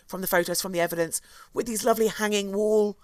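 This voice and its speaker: A hoarse woman, co-hosting a podcast and chattily telling a history story, with asides and restarts. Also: mid-range voice, fairly even intonation, quick pace, no room sound. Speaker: podcast co-host. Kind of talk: casual chat, storytelling history.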